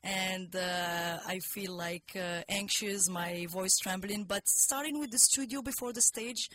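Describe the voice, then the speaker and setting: A woman's voice: medium pitch, a little slow, sharp tone, slight background noise. A woman from Morocco whose first language is Arabic, talking hesitantly with many fillers as a singer guest in a radio studio interview.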